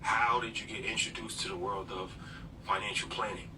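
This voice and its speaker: A man's voice: lowish voice, fairly even intonation, moderate pace. A man hosting a casual interview, appreciative and laid-back. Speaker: podcast host. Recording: distant mic with faint noise.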